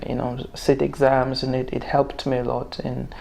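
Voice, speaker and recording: A man from Nigeria with a Nigerian accent, a non-native English speaker, talking in a halting, measured and formal way in a discussion. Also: medium pitch, completely flat delivery, gravelly, a little mellow, slight background noise. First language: not English. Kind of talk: casual discussion.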